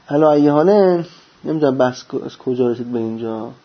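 A man giving a religious lecture, preaching with lively rhetorical questions and answering them himself. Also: mid-range voice. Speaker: religious teacher. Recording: dull lo-fi recording.

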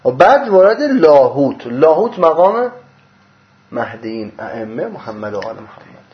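A man giving a mystical religious lecture, explaining a diagram and asking rhetorical questions that he answers himself, swinging between loud bursts and low murmurs. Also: big pitch swings. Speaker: religious teacher. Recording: dull lo-fi recording.

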